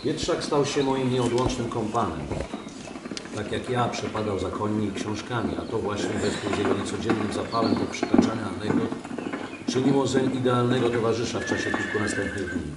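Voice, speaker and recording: A man's voice: fairly low pitch, a little fast, lightly acted. A man playing a reflective officer who narrates his wartime memories in a scripted radio drama. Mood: measured, reflective. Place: large radio studio hall, far camera. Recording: echoey noisy hall from far off.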